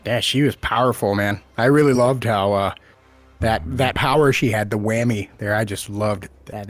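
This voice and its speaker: A man's voice: fairly low pitch, dry recording. Enthusiastic man chatting, dry sound. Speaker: podcast panelist. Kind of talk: casual chat.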